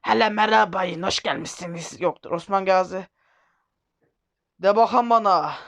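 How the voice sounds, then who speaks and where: A gruff, bossy warlord barking in a rough Black Sea Turkish dialect, as a man puts him on in comic role-play over a game. The voice sits high for a man and stays folksy. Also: moderate pace, fairly bright tone. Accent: put-on Black Sea Turkish dialect. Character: rustic male warlord speaking in a rural dialect.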